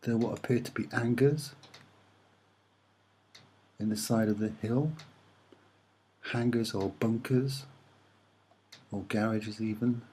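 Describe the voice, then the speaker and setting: A soft-spoken man giving a hesitant, musing, rambling commentary on images as an amateur presenter. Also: mid-range voice, fairly even intonation, takes it slowly, pauses often, husky.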